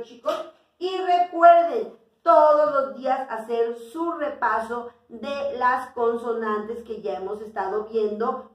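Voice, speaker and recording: Woman, kindergarten teacher, high voice, drawn-out syllable drills, echoey room, a bit off-mic. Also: distant mic. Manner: slow, clear syllable drills with a coaxing teacher tone. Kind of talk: recorded class for young children.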